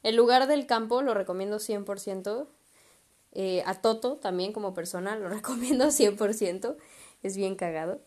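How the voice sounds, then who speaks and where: A woman's voice: mid-range voice, normal speed, darkish tone. A young woman in her twenties with a Mexican accent, hosting a podcast and telling a story casually, chatty and slangy, with frequent swearing. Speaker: podcast host.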